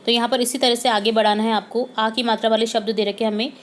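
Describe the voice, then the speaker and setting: High-voiced woman teaching slowly. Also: level tone. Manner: slow, clearly spelled-out word lists mixed with English terms. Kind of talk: worksheet solution lesson.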